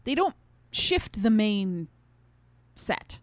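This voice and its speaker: A woman co-hosting a podcast, explaining her opinions in a casual, animated way with lots of "like" and "right?". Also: mid-range voice, extremely slow, no room sound. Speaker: podcast co-host. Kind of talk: casual conversational review.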